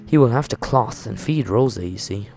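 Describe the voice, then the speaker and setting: Man reading a courteous, hesitant nobleman, creaky voice. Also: on the low side, animated, moderate pace, darkish tone, faint music behind. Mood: hesitant, tactful. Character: courteous, hesitant adult nobleman humoring a child.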